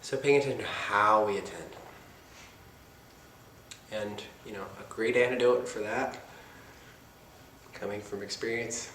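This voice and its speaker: A man giving a meditation talk in a soft-spoken, reflective manner, with casual asides. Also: on the low side, steady tone, unhurried, pauses often, a little hiss or hum. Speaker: meditation teacher. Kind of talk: dharma talk. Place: meditation center hall. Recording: echoey meditation hall with faint ambience.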